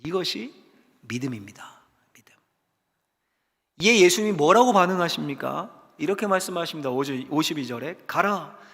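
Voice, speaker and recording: Male pastor, high animated voice, dramatic sermon storytelling, long church reverb. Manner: dramatic storytelling with rhetorical questions; swings from loud cries to hushed emphasis. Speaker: senior pastor. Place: church sanctuary.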